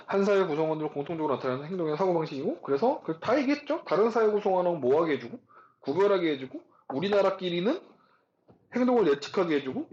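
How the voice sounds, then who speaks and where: A man giving a recorded lecture, talking in an animated, chatty way with rhetorical questions and asides. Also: on the high side, dull audio.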